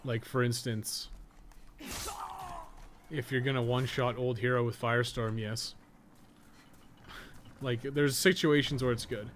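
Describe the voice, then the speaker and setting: Male game streamer, average pitch, talking viewers through gameplay casually with some swearing; noisy recording. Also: fairly even intonation, unhurried, pauses often, fairly bright tone. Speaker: game streamer and guide host. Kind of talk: casual live gameplay commentary.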